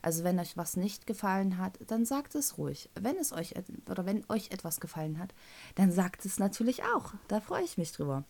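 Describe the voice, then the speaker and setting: A woman's voice: medium pitch, big pitch swings, a little fast, gravelly, darkish tone. Chatty woman with a Thuringian lilt. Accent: Thuringian German. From North Rhine-Westphalia, Germany. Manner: rambling, with fillers and self-corrections. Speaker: podcast host. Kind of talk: casual solo podcast talk.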